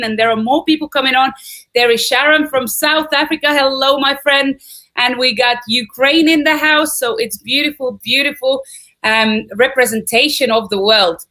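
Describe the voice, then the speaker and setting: Estonian woman in her thirties, high voice, chatty live webinar host who greets viewers by name and country. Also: sharp tone. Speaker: presenter of an online business webinar. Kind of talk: upbeat live webinar presentation.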